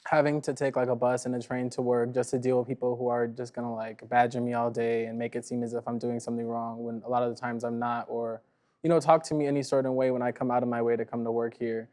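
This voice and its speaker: A young man in his twenties with a medium voice, answering a host's questions on a TV talk show. He talks casually and hesitantly, filling his sentences with little fillers, and sounds relaxed rather than polished. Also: mid-range voice, fast talker. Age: 20s.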